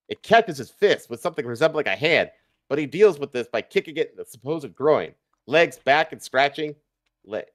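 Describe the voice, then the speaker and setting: Male streamer reading amateur fiction live: higher-pitched, animated, irreverent, loose with stumbles and asides. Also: no echo, studio quality. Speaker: streamer, host. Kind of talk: live fan fiction reading with offhand comments.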